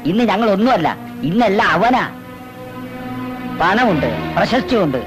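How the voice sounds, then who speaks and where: An older actor playing a proud, scheming retired astrologer father in a domineering, blustering manner. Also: sits high. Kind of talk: 1990s Malayalam film dialogue.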